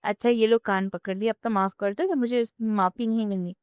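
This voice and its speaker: A mischievous young husband who teases and jokes through every line, as a woman reads him. The voice is smooth and clear, with a dry, close sound and no room around it. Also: on the high side, fairly even intonation, a little mellow, no echo, close to an everyday voice. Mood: playful. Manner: joking, teasing delivery.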